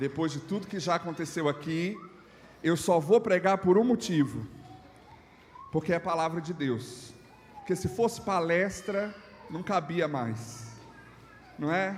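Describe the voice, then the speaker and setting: The delivery is fairly slow, broken by long, frequent pauses, with lively intonation. Noticeable background noise runs under the speech. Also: man. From Brazil, raised in Ceará (born São Paulo). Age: 30s. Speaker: pastor. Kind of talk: sermon. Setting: church service.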